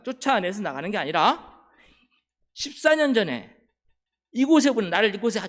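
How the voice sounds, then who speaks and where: A middle-aged man giving a sermon testimony as a missionary preacher, telling a story and acting out the dialogue. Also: fairly high pitch.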